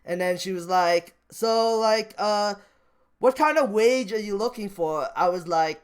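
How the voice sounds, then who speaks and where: This high-sitting male voice is clean in tone and unhurried. He's a stock market vlogger riffing casually on his opinions, wandering off track, saying things twice, and restarting his sentences as he goes.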